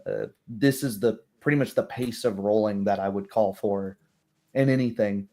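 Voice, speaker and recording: A man's voice: lowish voice, moderate pace, warm tone. Man explaining tabletop game rules casually. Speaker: game master.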